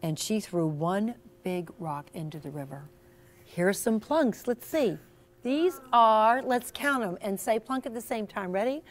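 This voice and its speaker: In front of a class of children, a woman storyteller and author does an interactive read-aloud for young kids. Her mid-range voice has lively intonation and a slightly slow pace, and she sounds encouraging and teacherly with theatrical emphasis.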